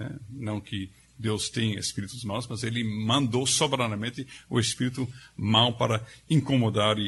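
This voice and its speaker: A man speaks at a fairly slow pace with a non-native accent. His intonation is fairly even, and the background is quiet. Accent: foreign accent in Portuguese. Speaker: pastor teaching a seminary class. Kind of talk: lecture. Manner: halting, with self-corrections.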